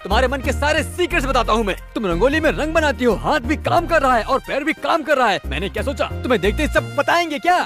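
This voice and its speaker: An actor playing a boastful, teasing young private detective in a dubbed film. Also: male voice, very high-pitched, expressive, fast talker, few pauses. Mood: cocky. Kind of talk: Hindi-dubbed film dialogue. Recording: film soundtrack with loud music.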